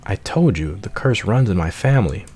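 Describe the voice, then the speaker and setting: A man's voice: on the low side, expressive, moderate pace, warm tone, breathy edge. A man voicing a cheerful, defensive schoolgirl who reads emotions, in a hammy read-aloud of a visual novel.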